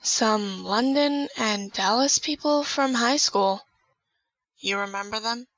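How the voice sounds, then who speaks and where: A woman's voice: a little high, takes it slowly, a bit bright, no echo. A woman playing a bored, suspicious twenty-four-year-old in an audio drama, recorded dry and a little dull. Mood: dismissive. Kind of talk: hobby audio drama acting. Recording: dry, slightly dull sound.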